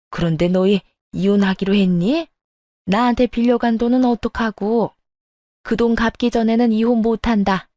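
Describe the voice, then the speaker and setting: A woman's voice: a little high, warm tone, no echo, close to an everyday voice. Woman doing a scolding bossy mother-in-law. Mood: flustered. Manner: harsh, scolding, slow and emphatic. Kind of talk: story narration with acted voices.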